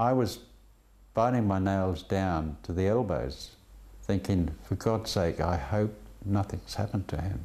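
Speaking at a very deep, low pitch, a man shows vocal fry and a dark, mellow tone, with ordinary pitch variation. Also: fairly slow pace. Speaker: former athlete, friend of guest. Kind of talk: interview. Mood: warm, storytelling. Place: home room. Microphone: lapel.

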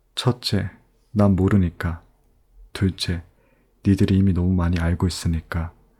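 Music plays behind a man whose very deep, low voice moves at a fairly slow pace with fairly even intonation. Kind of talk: audiobook narration.

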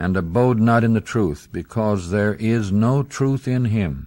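Against a quiet background, a man with a fairly low pitch speaks at a fairly slow pace with lively intonation. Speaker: radio preacher. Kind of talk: radio Bible question-and-answer talk. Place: studio. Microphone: old recording.

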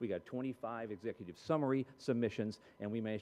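Here a man speaks in a fairly low pitch with an unremarkable speaking voice. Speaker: competition host at podium. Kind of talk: conference presentation. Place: hall.

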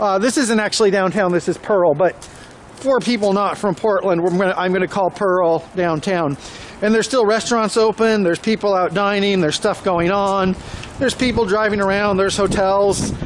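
Speech comes at a fairly quick pace over light background noise. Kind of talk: casual vlog chat. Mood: relaxed, reflective. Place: street. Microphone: phone near.

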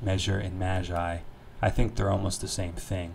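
At a moderate pace, a somewhat breathy voice comes through with audible room echo. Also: man. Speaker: video essayist. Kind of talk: lecture. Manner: halting.

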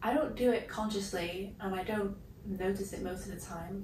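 Noticeable background noise surrounds a woman speaking at a moderate pace. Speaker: student vlogger. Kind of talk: casual vlog chat. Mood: reflective, a bit unsure. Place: home room. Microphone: camera far.

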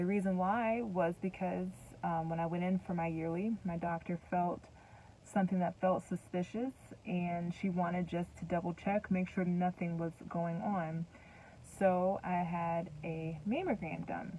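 Fairly slow and somewhat breathy, a woman with a fairly low pitch and fairly even intonation is heard in a dry recording with no echo and light background noise. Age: 30s. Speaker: natural hair content creator. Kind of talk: casual vlog talk to camera. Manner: casual with frequent fillers. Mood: earnest, encouraging reminder. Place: car. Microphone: phone near.

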